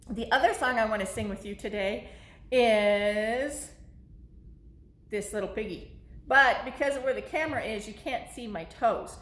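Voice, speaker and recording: Middle-aged lady doing kids story time, really animated, asks the kids stuff, echoey room. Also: a little high. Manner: addresses children directly, asking questions. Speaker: library story time host. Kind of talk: children's story time presentation.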